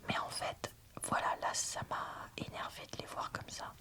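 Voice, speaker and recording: A woman whispering an ASMR book review in a soft, breathy, informal and slightly hesitant way. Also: moderate pace.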